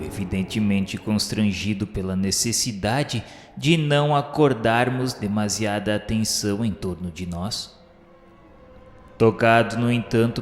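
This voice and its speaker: A man playing an earnest spirit pupil in a radio drama, narrating a dark journey in solemn, formal, deliberate phrases. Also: fairly low pitch. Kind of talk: radio drama, literary first-person narration. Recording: echoey long reverb with music behind.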